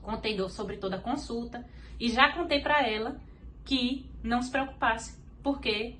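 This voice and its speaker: A woman's voice: on the high side, moderate pace, a bit bright, a little hiss or hum. A woman from Brazil with a Brazilian Portuguese accent, a podcast guest giving an earnest faith testimony and acting out what others said.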